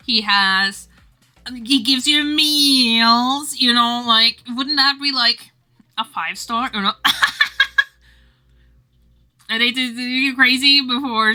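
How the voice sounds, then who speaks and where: A woman streaming casually to her viewers in a giggly, rambling, animated and teasing way as she works on art. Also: on the high side. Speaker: streamer drawing game art live. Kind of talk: casual livestream chat with viewers.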